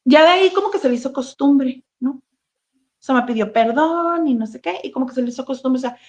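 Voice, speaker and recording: A woman telling her own painful story as an interview guest, halting and full of fillers and restarts. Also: high voice, a little mellow. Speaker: interview guest sharing a personal testimony. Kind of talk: emotional personal testimony, casual talk. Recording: dull, lo-fi sound.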